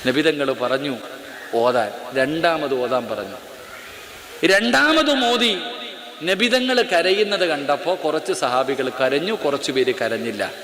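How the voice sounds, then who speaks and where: A man's voice: on the high side, measured pace. A male Islamic preacher giving a sermon to a live audience in an auditorium, ordering the crowd about and then telling a story with drama. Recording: echoey auditorium with long reverb.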